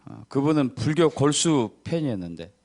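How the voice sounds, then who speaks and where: Speaking at normal speed in a slightly mellow voice with big pitch swings, this middle-aged pastor delivers his sermon. Key words get stressed through low repetition, and he voices the characters in the stories he tells.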